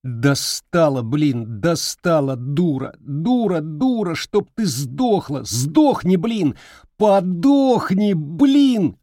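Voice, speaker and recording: A man voicing a hot-tempered village boy who yells in a strained voice. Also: lowish voice, fairly even intonation, moderate pace, few pauses, slightly rough, no echo, clean studio sound. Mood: furious. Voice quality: strained, yelling.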